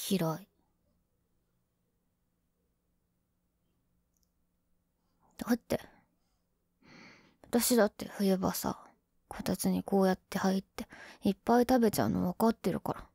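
A woman's voice: mid-range voice, moderate pace, gravelly, long pauses, mellow, husky, dry recording, studio quality. A woman playing a young tsundere girlfriend in an ASMR role-play, huffy and sulky but affectionate underneath.

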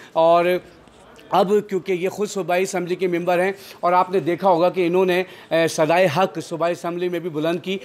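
A man hosting an on-location interview outdoors near a shrine, formal and devout in his greetings, asking long questions. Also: sits high. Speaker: interviewer and host.

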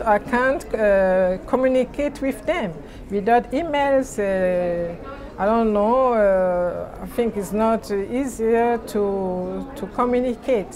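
Middle-aged Cameroonian-accented woman, mid-pitched, interviewee with halting, word-searching delivery. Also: darkish tone. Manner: halting, searching for words in non-native English. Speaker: interviewee, NGO president. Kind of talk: interview answers. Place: large indoor conference venue lobby.

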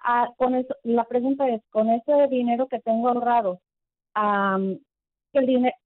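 A woman's voice: on the high side, fairly even intonation, a little slow, no room sound. A woman calling into an advice show, speaking hesitantly with many fillers, over a phone line. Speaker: caller.

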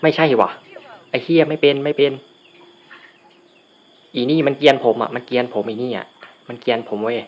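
A man casually commentating his own shooter game from a room at home, with shy mumbled asides that break into loud cursing outbursts. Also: mid-range voice, moderate pace, pauses often. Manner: swears and shouts in bursts at the game. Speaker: gamer recording a let's play. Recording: dull lo-fi sound with faint noise.

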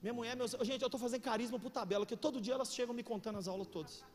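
A Brazilian man preaching a sermon, telling stories with animated swings between shouts and hushed asides. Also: very high-pitched, rapid-fire, faint music behind. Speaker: pastor. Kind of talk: sermon with storytelling. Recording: echoey hall with faint noise.

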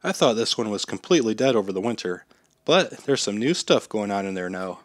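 A man in his thirties hosting a how-to channel, narrating step-by-step instructions in a steady, plain way while slightly sick. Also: lowish voice, fairly quick, no room sound, clean studio sound. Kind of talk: scripted how-to voice-over.

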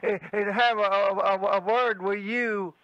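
A man's voice: sits high, steady tone, unhurried, dry recording, muffled recording. A man voicing a stuttering old Georgia redneck in a wheelchair, with a Southern accent and a heavy stammer. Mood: sputtering, angry. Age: older. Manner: heavy stutter, repeats words. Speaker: prank caller.

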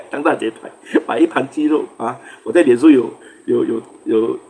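A man's voice: medium pitch, slow, a little mellow, a little hiss or hum. A man with a Singaporean accent, hosting a livestream and telling a story in casual chat. He acts out quarrels in raised voices and mixes in English words. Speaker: livestream host.

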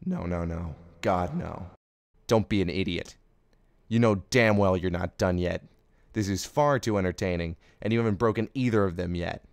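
A man's voice: deep voice, moderate pace, vocal fry, no echo, clean studio sound. A man playing a bitter, sardonic, taunting character in an audio drama. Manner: sarcastic, taunting. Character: sardonic, bitter, foul-mouthed man goading a villain. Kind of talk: anime fan audio drama acting.

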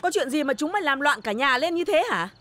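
A woman's voice: high voice, animated, fast talker, a bit bright. An actress playing an indulgent older mother-in-law in a TV drama, scolding her children while doting on her daughter-in-law. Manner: scolding but doting, exasperated sighs.

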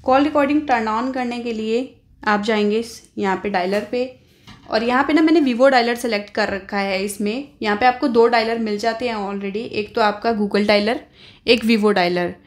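A woman's voice: a little high, normal speed. An Indian woman hosting an informal phone tutorial, explaining step by step and often adding little check-in tags. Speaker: tech tutorial host.

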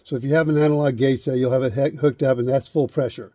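Middle-aged male instructor, deep-toned and dry, walks through steps outdoors, keeps checking "okay?". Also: fairly even intonation, fast talker, dark tone, no echo. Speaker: HVAC instructor. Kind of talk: hands-on how-to demonstration. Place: outdoors beside an air conditioner unit. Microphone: camera held close, point of view.

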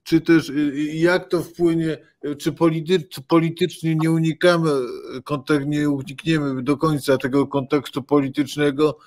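A man hosts a political discussion from his home study over a video call. His voice sits a little high for a man. He asks long questions, hesitating and repeating words as he goes. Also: little pitch movement, normal speed, a little mellow. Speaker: host.

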